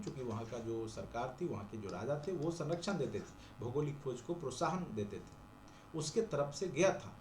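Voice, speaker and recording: A man with an Indian accent teaches an exam-prep class in question-and-answer style, repeating points for emphasis. His voice is mid-range with a darkish tone, recorded in an echoey room with noticeable background noise.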